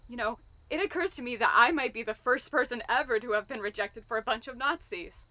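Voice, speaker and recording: A very high, bright female voice from an actress plays a lovelorn wartime spy. She is wry and bitter, with raw anguish underneath, in the style of an emotional audio drama. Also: a little fast, dry recording.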